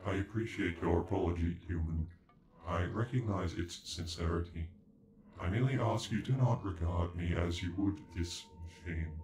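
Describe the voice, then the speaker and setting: A man's voice: sits low, moderate pace, a little mellow, natural voice. A man voicing a proud, cold male android in an ASMR roleplay, with stilted, formal speech that can stutter like a glitch. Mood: indignant. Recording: echoey, with background music.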